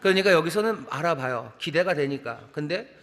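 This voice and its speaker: A middle-aged senior pastor preaches a little fast and expressively, his voice slightly high and a bit bright. He keeps it conversational, with rhythmic repeated phrases and rhetorical questions, and the large sanctuary lends a long hall reverb.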